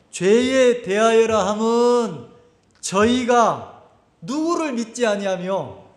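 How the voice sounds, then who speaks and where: A male pastor preaching a sermon at a church camp, constantly asking the congregation questions. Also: high voice. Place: church summer camp service. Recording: echoey hall.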